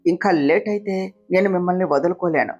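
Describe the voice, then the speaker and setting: A woman voicing a self-sacrificing young wife, speaking softly and pleadingly, in a read-aloud family story. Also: fairly low pitch, fairly quick, slightly rough, dull audio, faint music behind. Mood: sad tender.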